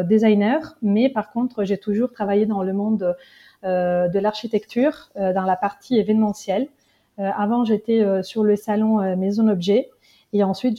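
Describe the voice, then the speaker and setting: A woman with an Italian accent talks through her story in an interview, pausing often and restarting her sentences. Her voice is warm and mellow, and the recording sounds a little dull and lo-fi. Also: mid-range voice. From Italy, Genoa. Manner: hesitant, many fillers and restarts. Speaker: guest. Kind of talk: casual interview.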